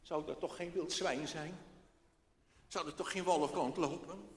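A man reading a children's story aloud in an animated, expressive manner. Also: fairly high pitch, a little slow. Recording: echoey hall, faint background.

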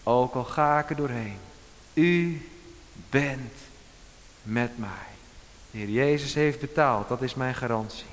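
A man preaching a sermon as pastor, emphatic, with dramatic pauses and quoted lines. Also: mid-range voice, big-room sound.

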